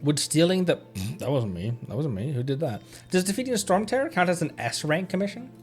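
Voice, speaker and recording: A man's voice: on the high side, big pitch swings, brisk, a little mellow. A man streaming a game, giving casual, playful, rambling commentary. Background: game music.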